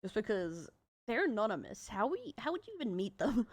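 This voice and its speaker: A woman's voice: fairly high pitch, sing-song, a little fast, breathy edge, dry recording. A woman with an Australian accent giving casual, rambling streaming commentary.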